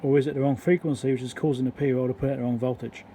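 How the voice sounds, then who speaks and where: A man with a soft-edged, mellow voice talks through technical details in a casual, matter-of-fact way. He rambles a little as he thinks aloud, with faint noise behind him. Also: medium pitch, fairly even intonation, rapid-fire. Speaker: electronics repair host.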